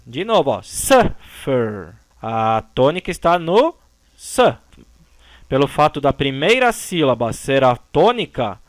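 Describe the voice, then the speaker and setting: Slow, lively-voiced male English teacher. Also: on the high side, no room sound. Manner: slow, explains step by step, often checks with "tá?". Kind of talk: recorded grammar lesson.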